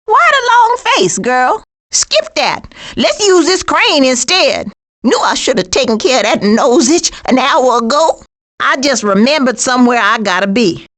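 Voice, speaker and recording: A sassy female cartoon skunk for a video game, with an American accent. The voice sits high and moves in lively, animated swings. The delivery is cranky, folksy and dry-witted, full of streetwise sarcasm. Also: a little slow, heavily acted. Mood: excited, urgent, then dry, sardonic.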